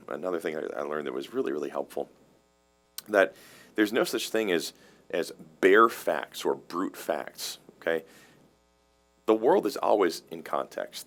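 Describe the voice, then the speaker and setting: A man with a very deep, low voice talks theology as a pastor in relaxed conversation. He explains things earnestly and often circles back, restarting and repeating words mid-thought. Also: vocal fry. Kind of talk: casual theological discussion.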